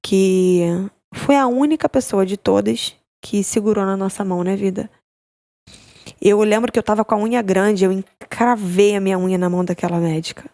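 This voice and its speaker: A young adult woman, giving an emotional personal account as a podcast guest, halting and repeating her words. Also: medium pitch, steady tone, dark tone. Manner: halting, with many repeated words and tag questions.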